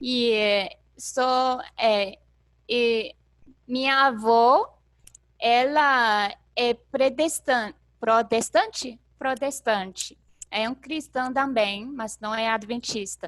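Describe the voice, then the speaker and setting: A woman's high-pitched, very slow speech in a non-native accent, with ordinary pitch variation and long, frequent pauses. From China. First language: Chinese (speaking Portuguese). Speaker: pastor's wife. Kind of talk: testimony. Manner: halting, many fillers.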